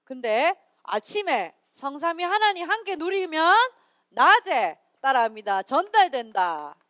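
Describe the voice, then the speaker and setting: A woman pastor giving an animated children's sermon, leading the children in repeating lines after her. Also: sits high, no room sound, clean studio sound. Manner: animated, leads children in repeating lines, reads scripture slowly and loudly. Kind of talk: children's sermon with call-and-response.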